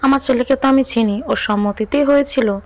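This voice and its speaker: A gentle, caring middle-aged mother-in-law, voiced by a woman reading a story. She speaks softly and pleadingly, in a fairly high voice. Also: fairly quick, natural voice. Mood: concerned.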